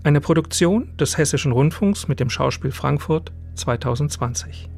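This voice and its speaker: A man's voice: fairly high pitch, animated, moderate pace, creaky, darkish tone, soft background music. A man working as a radio announcer, reading scripted production credits in a studio. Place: dry broadcast studio.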